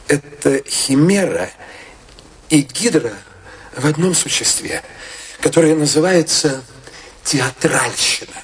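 A man's voice: medium pitch, a little hiss or hum. An actor playing a fervent, idealistic male artist in a radio play, theatrical and declamatory, savouring his words. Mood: playful, mysterious. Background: music behind the voice.

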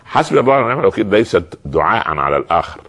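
Deep-voiced man hosting a call-in advice show. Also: big pitch swings, racing, slightly rough. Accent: Egyptian. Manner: gentle, fatherly, answers callers patiently. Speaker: host.

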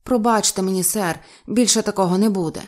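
A woman's voice: mid-range voice, a little fast, darkish tone, natural voice. Lady reading a timid zookeeper guy, apologetic, kinda mumbly, storybook. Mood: flustered. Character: flustered, meek male zookeeper, not eloquent.

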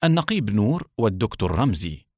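A man voicing a young male police captain who asks calm, direct questions. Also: fairly low pitch, fast talker, no echo, clean studio sound.

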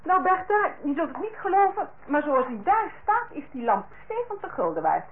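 An actress playing a genteel, kindly and teasing lady of the house, gently patient, in a radio drama. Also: sits high, big pitch swings, moderate pace. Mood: politely firm. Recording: narrow, noisy old radio recording.

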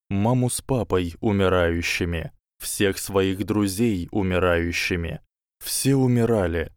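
A man narrating a fantasy novel as an audiobook in slow, measured storytelling. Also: low-pitched, a little mellow, clean tone, dry recording, clean studio sound. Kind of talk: scripted narration.

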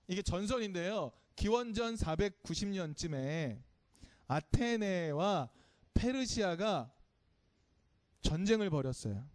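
A man with a high voice tells a children's sermon in church. His storytelling is plain and friendly, and he keeps turning to the congregation with questions. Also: darkish tone. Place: church service.

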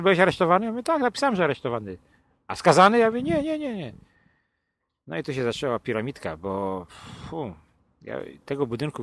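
A man telling long, crude, colloquial stories in a casual podcast chat, with joking asides. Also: fairly low pitch. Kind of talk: casual anecdotal storytelling.

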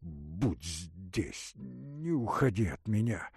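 A man reading aloud and voicing a feverish young man who speaks in a weak, breathless, halting way. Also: low-pitched, sing-song, vocal fry, darkish tone, breathy edge, voice pushed down, full character voice.

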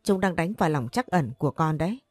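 A woman's voice: sits low, expressive, quick pace, no echo, faint music behind. A woman voicing a protective elderly mother in a storybook, speaking firmly and reassuringly. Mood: defiant. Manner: firm, reassuring.

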